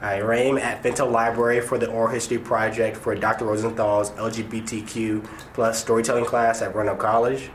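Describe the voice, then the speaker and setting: A man's voice: fairly low pitch, flat delivery, brisk, few pauses. A young man, a college student, interviewing for an oral history project, casual and a bit hesitant. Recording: echoey room with faint noise.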